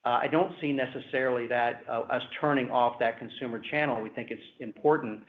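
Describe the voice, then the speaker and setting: A man speaking as a company executive, giving measured, hedging answers on an earnings call. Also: mid-range voice, steady tone. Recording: roomy, phone-like conference call line.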